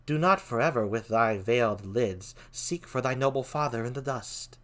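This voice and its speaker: A man acts out a gentle Shakespearean queen in a very soft, hushed voice. The tone drops low and quiet, with motherly verse delivered tenderly. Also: animated, normal speed, natural voice. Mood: gentle, pleading. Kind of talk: theatrical Shakespeare reading.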